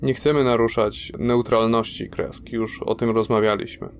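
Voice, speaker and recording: A man playing a tabletop game who speaks in a decisive, brisk way. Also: mid-range voice, fairly even intonation, a little hiss or hum. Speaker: player. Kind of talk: casual chat at a tabletop game.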